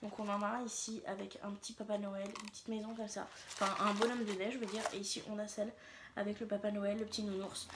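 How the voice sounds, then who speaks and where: A woman's voice: medium pitch, level tone, fast talker, very noisy. Chatty woman vlogging a shopping haul. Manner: chatty, rambling with many fillers. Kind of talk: casual haul vlog chat.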